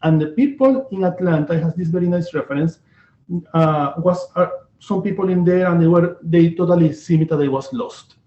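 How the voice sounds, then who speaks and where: Venezuelan-accented man, echoey lo-fi sound. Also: a little high. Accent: Venezuelan Spanish. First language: Spanish. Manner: searching for words, halting and animated. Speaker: host. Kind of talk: casual interview chat. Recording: echoey, dull lo-fi room sound.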